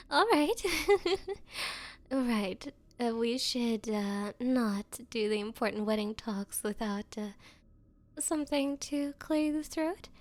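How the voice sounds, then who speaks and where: A woman's voice: a little high, expressive, takes it slowly, no room sound. A woman playing an obsessive, clingy yandere on a date in an ASMR roleplay, stammering and pleading with nervous giggles.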